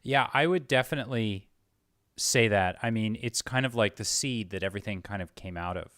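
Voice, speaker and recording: A man's voice: lowish voice, brisk, a bit bright, no room sound, clean studio sound. A man interviewing a guest in casual, informal chat, agreeable as he listens and asks questions. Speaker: interviewer, host of a live-streamed show.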